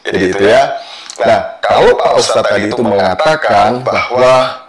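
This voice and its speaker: A man speaking as a Christian speaker in a debate, explaining in a formal, measured way. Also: mid-range voice, crowd noise. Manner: slow, measured, deliberate. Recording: roomy hall with audience noise.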